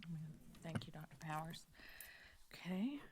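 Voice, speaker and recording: A woman's voice: low-pitched, lively intonation, normal speed, a little mellow, husky, no room sound. A woman chairing a school board meeting, running motions and votes in a polite, procedural way with small restarts.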